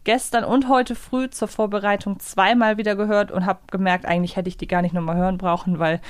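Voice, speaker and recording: A woman's voice: medium pitch, steady tone, fairly quick, smooth, dry recording. A woman in her thirties hosting a podcast in a casual, chatty style. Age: 30s. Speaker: podcast host. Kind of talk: casual chat.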